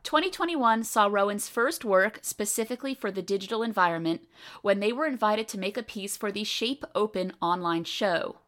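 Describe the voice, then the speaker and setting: An American woman hosts a podcast with an eager, upbeat delivery. Her voice sits in an ordinary middle pitch. She reads from a script before chatting over a video call. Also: expressive, moderate pace, a bit bright. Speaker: podcast host. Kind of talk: podcast interview with scripted intro.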